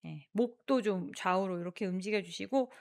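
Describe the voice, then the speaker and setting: A woman exercise instructor guiding a workout, giving encouraging cues and counting reps aloud in a steady rhythm. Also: mid-range voice, normal speed, gravelly.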